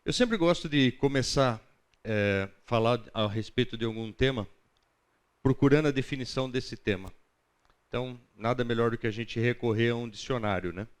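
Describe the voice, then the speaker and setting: A man's voice: medium pitch, normal speed, smooth. A Brazilian man teaching a Bible class in a conversational, didactic lecture style, often putting questions to his listeners.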